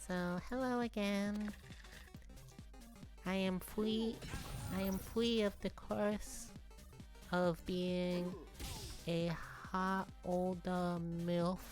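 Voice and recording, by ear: With clear music in the background, a put-on character voice at a middle pitch speaks at a very slow pace with long, frequent pauses.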